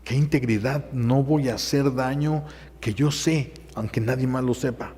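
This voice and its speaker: A priest preaches in a relaxed, conversational manner, stumbling through fillers and slipping into voices for the people in his stories. His voice sits at a middle pitch for a man, and a long reverb trails every phrase as in a large church. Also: moderate pace, slight background noise. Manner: conversational, hesitant fillers, acts out quotes. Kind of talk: sermon.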